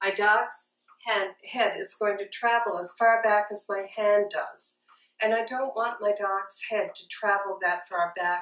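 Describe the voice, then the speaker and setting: A woman speaks at a fairly slow pace. Room echo can be heard against a quiet background. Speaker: dog trainer. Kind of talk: tutorial. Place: home room. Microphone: camera far.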